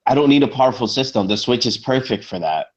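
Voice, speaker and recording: Lively-voiced man on a muffled line. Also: mid-range voice, fast. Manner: agreeable, jokey, keeps saying exactly. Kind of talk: casual gaming chat.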